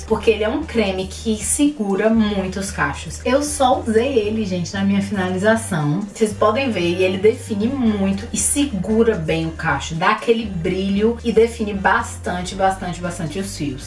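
A woman's voice: medium pitch, far from the mic. A young adult woman from Brazil reviewing hair products straight to camera, enthusiastic and chatty, often turning to her viewers. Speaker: beauty vlogger. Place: indoor room with lilac backdrop. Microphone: camera in front at chest-up framing. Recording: echoey room, voice a bit off-mic, faint music.

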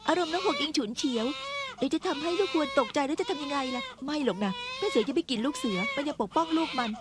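A woman voicing a gentle first wife who soothes and pleads with her husband, in a dubbed period drama. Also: high voice, expressive, quick pace, very noisy. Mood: pleading.

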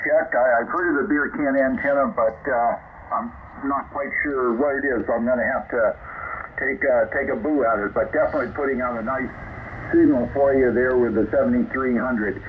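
A man's voice: mid-range voice, fairly even intonation, normal speed. A man chatting casually as a ham operator, heard through a radio transmission. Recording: tinny, very noisy shortwave radio link.

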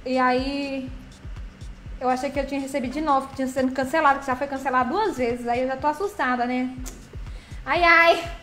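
A woman's voice: high voice, steady tone, quick pace, a bit bright. A woman hosting a casual live stream, greeting viewers by name with pet names and chatty affection. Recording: roomy echo with faint background music.

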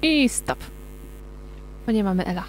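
A woman's voice: medium pitch, expressive, a little slow, very noisy. A young woman casually directing and coaching voice actors through their takes. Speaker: recording director.

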